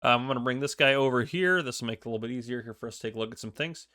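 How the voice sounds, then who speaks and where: A man's voice: medium pitch, very fast, sharp tone, no echo, clean studio sound. A man with a congested, stuffy voice from a cold, chatting casually with many ums as the host of a gaming channel. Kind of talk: casual game news commentary.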